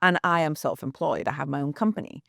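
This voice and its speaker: A woman's voice: sits low, fast, gravelly, no room sound, studio quality. A woman journalist as a podcast guest, talking earnestly and thinking aloud with restarts. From United States. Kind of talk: reflective podcast interview.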